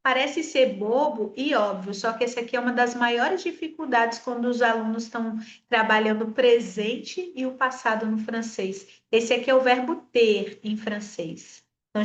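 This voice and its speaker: High-voiced Brazilian teacher in echoey room. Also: female voice, highs cut off. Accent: Brazilian Portuguese, Espírito Santo. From Brazil, Espírito Santo. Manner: explains patiently, coaxes viewers to repeat sounds; models French words slowly. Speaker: French teacher. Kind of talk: online language lesson.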